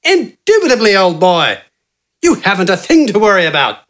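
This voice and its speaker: A narrator voicing an eccentric, pompous male doctor who is manic and jovial and speaks in a grand, excitable way. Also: medium pitch, moderate pace, voice pushed up. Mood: jubilant. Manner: pompous, excitable, keeps saying "old boy".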